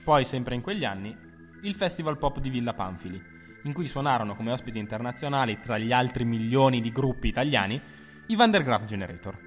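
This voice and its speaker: A man's voice: medium pitch, expressive, brisk, long reverb tail. Jokey man co-hosting a music explainer. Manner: jokey, chatty, self-mocking. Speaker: co-host of a music history video. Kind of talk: scripted explainer with playful banter.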